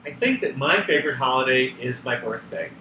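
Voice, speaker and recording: Man, children's read-along storyteller. Bright, very animated, emphatic delivery, recorded roomy and slightly distant. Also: medium pitch, brisk. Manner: expressive, emphatic, addresses young viewers. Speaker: children's show co-creator reading a picture book aloud. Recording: roomy, distant home recording, faint noise.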